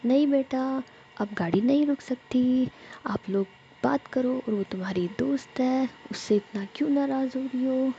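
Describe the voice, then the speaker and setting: A woman voicing a kindly, fatherly older male driver who answers calmly. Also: high-pitched, measured pace, dull audio, slight background noise, voice pushed up. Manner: calm, fatherly.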